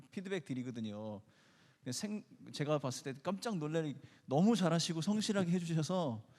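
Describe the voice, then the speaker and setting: A man's voice: a little high, darkish tone. Man making announcements in an echoing hall. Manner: polite, encouraging, addressing the group. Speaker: church training leader giving announcements. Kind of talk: announcements to a congregation. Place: church hall. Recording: long echoing hall reverb.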